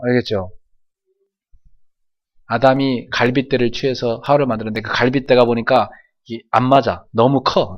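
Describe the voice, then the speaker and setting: A man of middle pitch preaching to his congregation in a church. He keeps asking them to answer back and repeat his lines, and his voice drops low for asides before climbing into loud, ringing cries. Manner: emphatic preaching with call-and-response prompts; swings from soft asides to loud exclamations. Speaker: pastor. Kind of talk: sermon. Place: church sanctuary.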